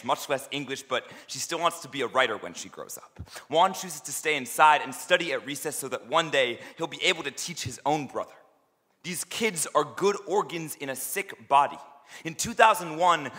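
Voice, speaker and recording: A man's voice: a little high, sharp tone. Man performing slam poetry in a reverberant hall. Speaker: slam poet.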